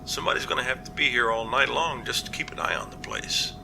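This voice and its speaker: A man playing an earnest, cautious captain in an amateur audio drama, reporting in a measured, matter-of-fact way. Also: medium pitch, vocal fry, noisy background, close to an everyday voice. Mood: cautious, firm. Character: male captain, earnest, practical, cautious, plain-spoken.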